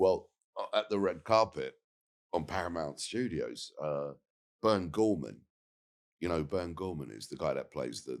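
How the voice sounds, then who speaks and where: Speaking at a fairly slow pace with a London accent, a man makes big swings in loudness. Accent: London British. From London (Brixton), England. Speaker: actor. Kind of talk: casual chat. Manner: animated.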